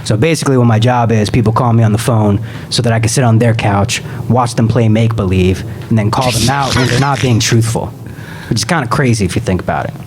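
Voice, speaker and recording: A man's voice: lowish voice, fast talker, a little mellow, slight background noise. A man in his thirties from the United States, a guest on a comedy podcast, talking dryly and matter-of-factly about coaching improv. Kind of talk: casual comedy podcast chat.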